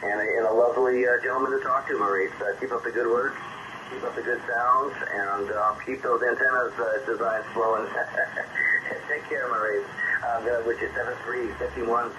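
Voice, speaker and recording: A man chatting casually as a CB radio operator over a single-sideband link, folksy and hesitant, often pausing mid-phrase. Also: medium pitch, steady tone. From United States. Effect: single-sideband radio transmission. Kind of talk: casual two-way radio chat. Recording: muffled, noisy shortwave CB radio reception. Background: radio static.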